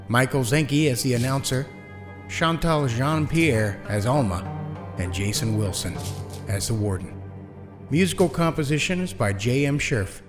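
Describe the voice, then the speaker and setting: A man reading scripted end credits and thanks as the producer of a podcast. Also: medium pitch.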